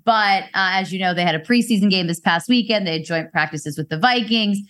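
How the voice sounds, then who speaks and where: A woman's voice: mid-range voice, fairly quick, fairly bright tone. A woman hosting a sports podcast, chatting casually and playfully with a guest, laughing and teasing often. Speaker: podcast host. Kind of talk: casual chat.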